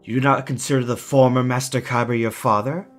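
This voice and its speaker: A man's voice: medium pitch, steady tone, a little fast, soft background music, close to an everyday voice. An actor playing a deranged, genteel villain in an audio drama, formal and mocking, savoring his words with menacing sweetness.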